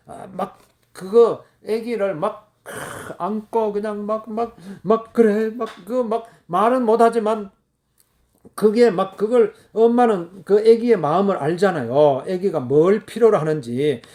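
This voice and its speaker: A man's voice: sits high, darkish tone. A male pastor preaching a sermon in an emphatic, rambling way, full of fillers, and bursting into wailing prayers as he quotes them.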